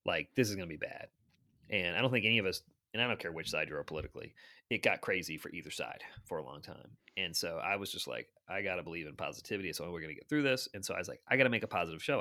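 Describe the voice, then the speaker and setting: A middle-aged man telling stories in a casual interview, animated and laughing often. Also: deep voice, racing, vocal fry. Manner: animated, laughs often, acts out quoted voices. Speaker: TV producer and guest.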